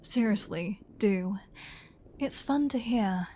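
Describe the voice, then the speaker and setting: A woman's voice: mid-range voice, takes it slowly, warm tone, a little hiss or hum, natural voice. A woman playing a flirty, menacing vampire in an intimate ASMR audio roleplay, teasing and sardonic, sometimes slipping toward a whisper. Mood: playful, sardonic. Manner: teasing, sardonic, drawling, drops into breathy whispers. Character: flirty, playful, menacing female vampire taunting a hunter.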